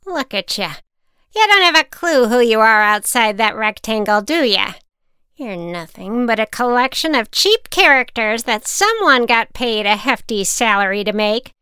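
A woman's voice: on the high side, lively intonation, moderate pace, pushed and bright, clean tone, dry recording, clean studio sound. A woman voicing a harsh, scolding old woman who lectures a boy with scorn. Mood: scornful.

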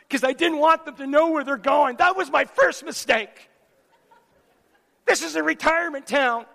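A man preaching a sermon with animated stories in an excitable, dramatic manner, repeating phrases for emphasis. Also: very high voice, vocal fry. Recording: echoey hall with long reverb.

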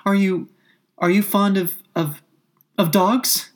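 A woman's voice: medium pitch, fairly even intonation, slow pace, pitched above the performer's own voice, close to an everyday voice. A woman voicing a polite, chatty, curious young girl from a storybook, with an eager, earnest, apologetic manner.

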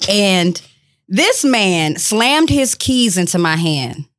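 A woman's voice: medium pitch, sing-song, slow, no room sound, studio quality. A woman with an African American accent chatting casually as a podcast co-host, speaking in a blunt, slangy way. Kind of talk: casual chat.

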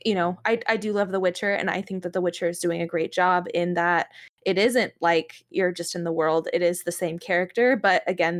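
Woman on a podcast talking casually, mid-range voice, earnest and emphatic, lots of little asides. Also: medium pitch. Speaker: podcast panelist.

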